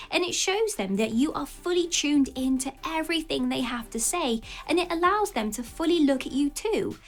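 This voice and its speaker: A woman reading scripted dating advice as a voice-over, in an expressive style that slows down on each heading. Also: high voice. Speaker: channel narrator.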